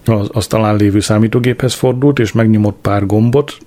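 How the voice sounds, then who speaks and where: A man's voice: on the low side, fairly even intonation, warm tone. A man reading a diary-style story aloud as an audiobook narrator, with a dry, wry delivery.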